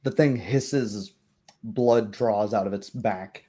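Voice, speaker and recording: A man narrates a tabletop roleplaying game as game master. His voice sits low and has a dark, mellow tone. He describes scenes in a measured storyteller's way. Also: breathy edge.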